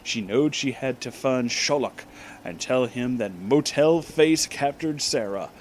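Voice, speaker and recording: A man giving a comic dramatic reading, deliberately enunciating garbled words and dropping in casual asides. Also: medium pitch, animated, a little hiss or hum. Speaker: reader and commentator of bad fan fiction.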